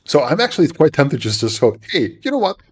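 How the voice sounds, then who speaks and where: A man from Serbia, a native Serbian speaker, co-hosting a casual tech chat on a live stream in a halting way, often repeating his words. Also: on the high side, big pitch swings, breathy edge.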